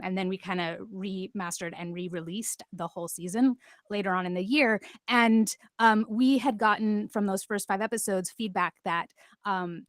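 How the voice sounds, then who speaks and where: A woman's voice: medium pitch, no echo, clean studio sound. A woman talking casually as a panelist, in hesitant, stop-start phrases. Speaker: panelist, podcast creator. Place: remote online panel call.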